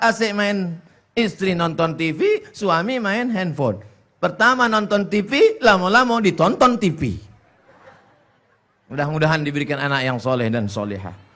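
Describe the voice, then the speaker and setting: Man, preacher, high voice, bright tone, joking sermon. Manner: jokey storytelling with mimicked voices and sung lines. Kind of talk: humorous sermon.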